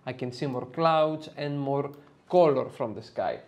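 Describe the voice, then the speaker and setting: A man's voice: medium pitch, unhurried. A man in his thirties with a Greek accent, chatting his way step by step through a photo editing tutorial from a home studio. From Greece. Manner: lively, chatty, explains step by step with filler uhs. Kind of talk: screen-recorded software tutorial. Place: dim home studio, indoors.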